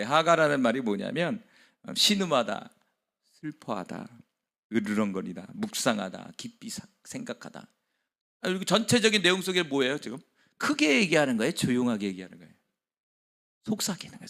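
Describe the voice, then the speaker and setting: A man preaching a sermon as pastor, conversational, laughing often and dropping to quiet whispered asides. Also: medium pitch, gravelly.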